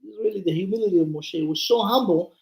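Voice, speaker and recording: A man's voice: high voice, quick pace, a little mellow. Echoey male rabbi telling Torah stories. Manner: conversational, acts out dialogue, puts questions to listeners. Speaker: rabbi giving a Torah class. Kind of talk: informal Torah lesson with storytelling.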